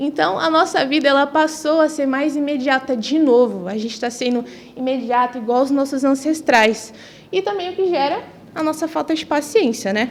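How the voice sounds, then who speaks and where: Against noticeable background noise, a woman speaks in a high voice with lively intonation. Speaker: spiritist youth speaker. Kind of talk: talk. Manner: fast.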